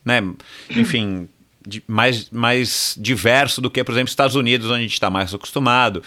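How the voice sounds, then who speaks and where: A man's voice: mid-range voice, normal speed, bright, forceful tone. A man with a Brazilian Portuguese accent, interviewing and asking long, rambling questions. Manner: rambling, searching questions full of fillers.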